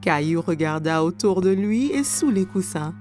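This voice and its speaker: A woman narrating a children's story in an expressive, scripted storytelling style. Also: fairly low pitch, normal speed. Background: music.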